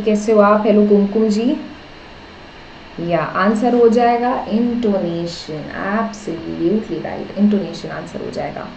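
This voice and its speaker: A woman's voice: medium pitch, dark tone, reverberant, a little hiss or hum, poor audio. A woman with an Indian accent teaching a live online exam-prep class, mixing Hindi and English, quizzing students and explaining patiently.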